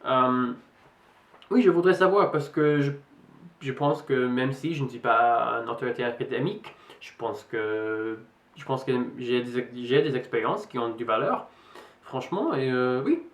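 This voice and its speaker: A man's voice: mid-range voice, measured pace. Hesitant English man speaking French, roomy sound. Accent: English speaker in French, slightly American-tinged. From England. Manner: hesitant, many fillers and restarts. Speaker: vlogger. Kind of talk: casual vlog talk to camera. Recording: roomy echo.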